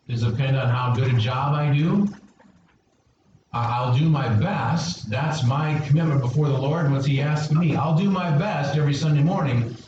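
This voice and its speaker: A man's voice: mid-range voice, darkish tone, slight background noise. A male pastor preaching a sermon in a church, engaging and questioning his congregation and calling for responses. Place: church sanctuary. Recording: very echoey hall, distant dull mic.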